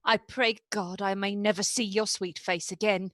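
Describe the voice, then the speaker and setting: A woman's voice: mid-range voice, fairly even intonation, normal speed, a bit bright, no echo, lightly acted. A woman playing a lucid but desperate asylum patient in a radio play, formal and imploring in manner. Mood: grave. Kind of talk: live radio play acting.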